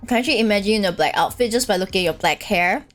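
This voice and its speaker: A woman's voice: medium pitch, quick pace, soft background music. A woman streamer chatting casually and teasing her guest while reading out chat messages. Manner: playful teasing, lively singsong delivery. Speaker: streamer host.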